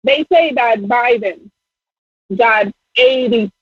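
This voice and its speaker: A woman with a Puerto Rican accent calling in to a talk show, speaking earnestly with halting pauses. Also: on the high side, breathy edge, dry recording. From Puerto Rico. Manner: earnest, halting, many fillers. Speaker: caller. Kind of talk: call-in chat. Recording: dull phone line.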